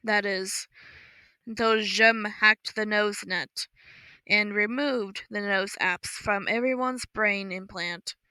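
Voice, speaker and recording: A woman reads a story in a slow, measured, even way. Her tone is bright and a little high, captured close on a dry studio mic with no room sound. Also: dry recording. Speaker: audiobook narrator. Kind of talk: scripted story narration.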